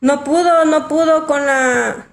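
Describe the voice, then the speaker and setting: Firm high-voiced woman moderating a debate. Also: steady tone, slow pace. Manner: firm, insistent, repeats herself. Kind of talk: heated live online debate.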